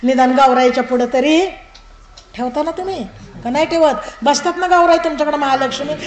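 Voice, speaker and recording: A woman giving a religious discourse to a live audience, telling a parable in a lively way and acting out its characters. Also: sits high, a little fast. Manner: lively storytelling that acts out characters and street calls. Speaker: pravachan speaker. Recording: echoey hall with audience noise.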